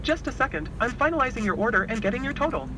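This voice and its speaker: A man's voice: very high-pitched, sing-song, quick pace. An AI ordering system with a male voice, taking a food order politely through a drive-thru speaker box outdoors. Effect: heard through a drive-thru speaker box. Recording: distant outdoor speaker over car noise. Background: car engine and street traffic.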